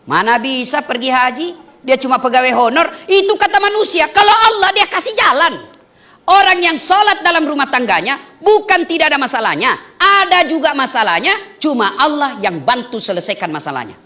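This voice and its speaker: A male preacher delivers a wedding sermon in a bright, forceful voice. His pitch swings widely as he jokes, poses questions and answers them himself. The delivery stays animated throughout. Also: normal speed. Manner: animated, joking, asks and answers own questions.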